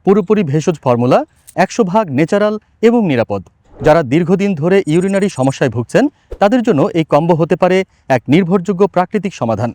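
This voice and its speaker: A male voice-over artist delivers scripted advertising copy at a brisk clip. His pitch sits a little above the average man's. The recording is dry and close, with no room sound around the words. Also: lively intonation, dark tone, dry recording.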